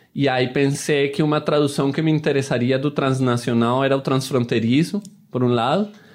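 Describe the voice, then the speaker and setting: Moderate pace and very even loudness in a Spanish accent, with ordinary pitch variation. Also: man, fairly high pitch for a man. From Colombia, Bogotá. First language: Spanish (speaking Portuguese). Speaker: anthropologist. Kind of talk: interview. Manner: halting.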